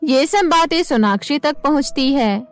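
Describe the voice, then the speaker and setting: A woman's voice: sits high, expressive, moderate pace, soft background music. A woman narrating a scripted children's cartoon story.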